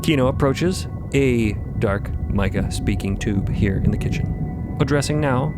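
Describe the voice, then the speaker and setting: Unhurried man narrating dark fiction. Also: medium pitch. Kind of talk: dramatic scripted storytelling with banter. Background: loud music.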